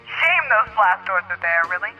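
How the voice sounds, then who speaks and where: A woman's voice: medium pitch, big pitch swings, moderate pace, muffled recording, faint music behind, lightly acted. An actress playing a smug, sadistic villain who taunts her captives with mock politeness in an audio drama. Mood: taunting, cruel.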